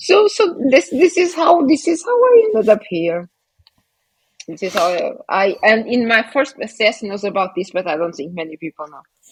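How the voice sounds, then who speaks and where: Very wide pitch swings and big swings in loudness mark this somewhat breathy voice at a moderate pace. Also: woman, fairly high pitch for a woman. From Portugal. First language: Portuguese. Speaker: podcast guest. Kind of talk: casual chat. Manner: halting.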